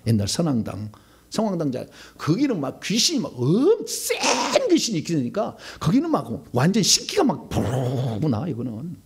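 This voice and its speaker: A male pastor preaching a sermon, swinging between loud outbursts and hushed asides. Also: mid-range voice, breathy edge.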